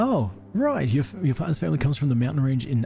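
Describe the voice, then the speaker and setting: Talking at a very fast pace, a man with an Australian accent has a dark, mellow, somewhat breathy tone and ordinary pitch variation. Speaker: gaming streamer. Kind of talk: live gameplay stream chat. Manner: casual, chatty.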